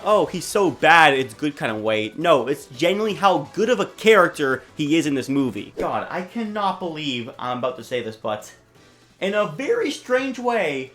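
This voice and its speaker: A young woman presents a scripted video essay with very lively, swooping intonation. Her pitch sits a little low for a woman, and she talks casually and emphatically, with slang, mild swearing and dry asides. Music plays behind her narration. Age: young adult. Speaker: host of a video essay channel. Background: background music.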